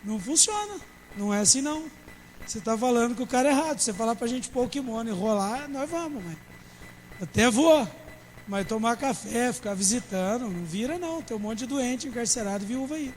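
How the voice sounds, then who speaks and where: A man's voice: very high-pitched, animated, a little fast, long reverb tail, a little hiss or hum, poor audio. A man, a pastor preaching a sermon with humor and acting out church members in dialogue. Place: church service.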